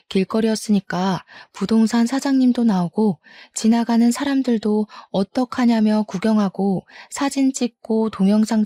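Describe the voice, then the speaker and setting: A woman in her thirties narrates her story with indignant drama. Her voice is dark and mellow, recorded close and dry. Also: mid-range voice, no room sound. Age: 30s. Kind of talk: scripted narration of a personal story.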